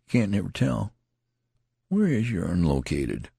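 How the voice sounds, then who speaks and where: A man's voice: low-pitched, huge pitch swings, a little slow, creaky, mellow, slightly rough, dry recording, studio quality, voice pushed up, full character voice. A man voicing a dazed, wounded male soldier who rambles in a slurred, folksy country dialect. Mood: rambling. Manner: pleading, repetitive, plaintive.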